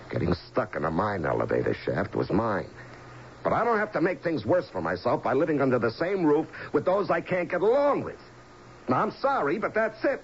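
Radio drama, faint hiss: hot-tempered unemployed miner husband, insistent, agitated, wildly varied pitch. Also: male voice. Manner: agitated, insistent, repeats himself. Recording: muffled, faintly hissy old radio recording.

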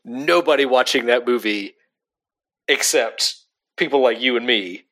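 A man's voice: medium pitch, measured pace, bright, forceful tone. A man co-hosting a casual movie podcast, rambling and restarting his sentences and laughing often. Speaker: podcast co-host.

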